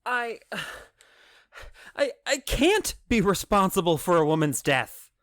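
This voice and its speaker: A man's voice: sits high, very animated, slow pace, a bit bright, no room sound, studio quality, full character voice. A man playing an anxious, guilt-ridden family man in a radio play, speaking hesitantly and earnestly. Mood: distressed.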